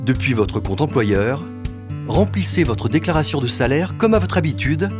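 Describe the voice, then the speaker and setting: A man's voice: mid-range voice, lively intonation, moderate pace. A man reading scripted narration and advertising copy as a voice-over artist. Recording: music bed behind the voice. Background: music.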